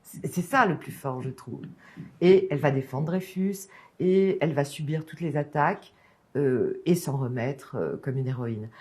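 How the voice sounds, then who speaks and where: A female author answers with emphatic enthusiasm, piling on praise and restarting her sentences as ideas rush in. Her voice sits low for a woman, with a dark, mellow tone. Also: normal speed. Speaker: author and biographer guest. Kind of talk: passionate interview answers.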